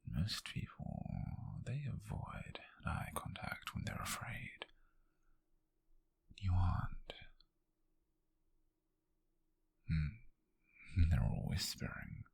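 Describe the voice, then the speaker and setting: Man voicing a obsessive British yandere gentleman, ASMR roleplay, very husky and breathy, slow, menacingly soft, close dry mic. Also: low voice, lively intonation, exaggerated voice. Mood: smug, possessive. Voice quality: breathy, husky, gravelly whisper. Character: possessive wealthy yandere man, smug and obsessive. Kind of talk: ASMR roleplay, intimate whispery monologue. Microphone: close microphone, dry.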